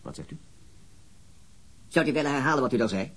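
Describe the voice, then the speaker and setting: An actor playing a persistent police interrogator in a radio crime drama, probing, controlled and insinuating. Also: male voice, mid-range voice, a little fast, husky, natural voice. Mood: accusing, controlled. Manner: insistent, probing.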